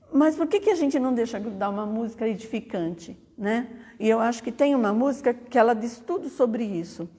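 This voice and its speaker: A woman's voice: mid-range voice, warm tone, slightly rough, long reverb tail. A middle-aged woman giving an informal spiritual talk at a study center. She tells personal stories in a chatty way and keeps tagging phrases with a questioning "né?". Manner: conversational, often tags phrases with "né?". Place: spiritist center meeting hall.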